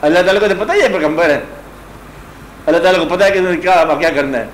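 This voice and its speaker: The voice sits high and is expressive, with a little hiss or hum: a spiritual teacher talking conversationally to a gathering about religion. He retells a story, repeatedly asking whether listeners have understood, in an echoey room with faint ambience.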